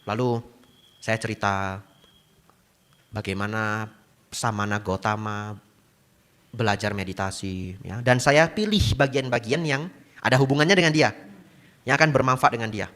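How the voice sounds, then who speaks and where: A man's voice: on the low side, normal speed, long pauses. A man from Medan giving a sermon as a Buddhist monk, telling a story and acting out the voices in it. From Medan, Indonesia. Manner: animated storyteller, acts out quoted voices, laughs often.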